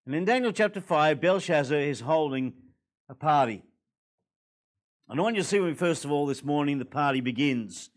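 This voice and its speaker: An older man in his sixties with an Australian accent, a guest preacher at a church pulpit, a little hoarse from a recent cold, building to forceful, emphatic preaching. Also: on the high side, animated, moderate pace. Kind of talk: sermon. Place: church hall, indoors. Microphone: pulpit microphones.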